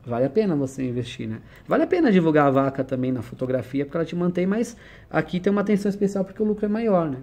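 A man's voice: on the high side, animated, rapid-fire, darkish tone. A man explaining business ideas in a conversational one-on-one lesson, using everyday examples and questions.

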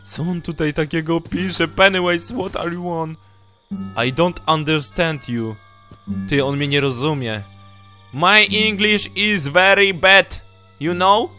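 Brief: young-sounding male gamer, Polish accent, high and bright, hyper let's-play energy, faint music under him. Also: slow pace. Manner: animated, yelps and talks to viewers, broken English asides. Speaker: gaming YouTuber. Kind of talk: excitable Minecraft let's play commentary.

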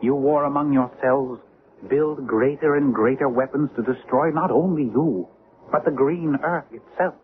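A man's voice: medium pitch, measured pace, natural voice. A man acting in a 1970s radio drama as an imperious, zealous alien leader with a grandiose, commanding manner. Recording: tinny, noisy old radio drama recording.

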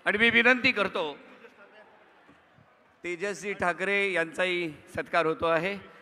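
A man with a Marathi accent announces formally from a stage. His voice is high and bright, with long reverb from a large hall PA. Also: slow. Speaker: event announcer. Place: large covered rally hall.

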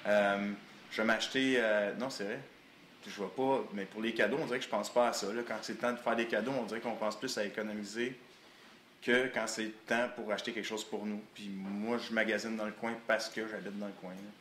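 A man's voice: fairly low pitch, fairly even intonation, brisk, fairly bright tone. A man in his thirties with a Quebec French accent, chatting casually with lots of fillers, recorded close in a tattoo shop. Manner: casual and talkative, with many fillers. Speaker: interviewee. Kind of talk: casual chat. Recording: echoey room with light noise.

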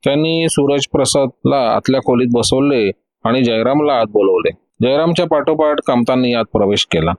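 A man narrating a crime story from a script with steady, measured storytelling. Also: mid-range voice. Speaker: audiobook narrator.

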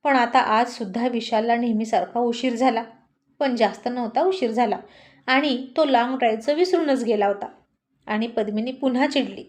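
A woman telling a family story aloud in a steady, expressive reading voice. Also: on the high side, moderate pace. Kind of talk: story narration.

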